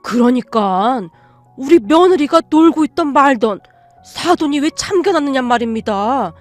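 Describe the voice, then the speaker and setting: A woman's voice: on the high side, moderate pace, a little mellow, no room sound, faint music behind, close to an everyday voice. A woman voicing an angry, protective older father-in-law who scolds in a raised voice. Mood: stern, indignant.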